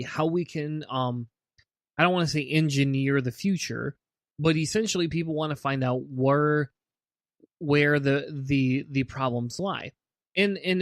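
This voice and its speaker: A man's voice: medium pitch, no room sound, studio quality. A man co-hosting a podcast in casual chat, earnest and often restarting his sentences with repeated words. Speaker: podcast co-host.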